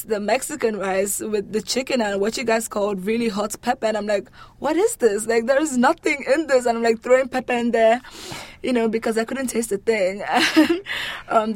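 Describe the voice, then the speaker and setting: A young adult woman from Lagos with a Nigerian accent, answering interview questions in a chatty, humorous, expressive way. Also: mid-range voice, no echo. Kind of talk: casual interview chat.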